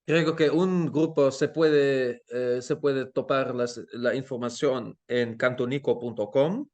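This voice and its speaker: Slow, hesitant man. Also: mid-range voice, steady tone, a little mellow. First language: Dutch. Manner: hesitant, searching for words, many fillers and restarts. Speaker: guest, language teacher. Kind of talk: casual interview conversation. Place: home in Amsterdam.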